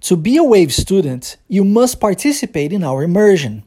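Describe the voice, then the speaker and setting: Mellow, husky Brazilian teacher drilling phrases. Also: medium pitch, big pitch swings. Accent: Brazilian Portuguese. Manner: explains patiently, then models phrases slowly and repeats them as drills. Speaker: English teacher. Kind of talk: podcast language lesson.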